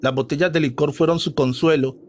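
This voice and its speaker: A man narrating a horror story in a steady, dramatic storytelling manner. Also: on the high side, a little fast.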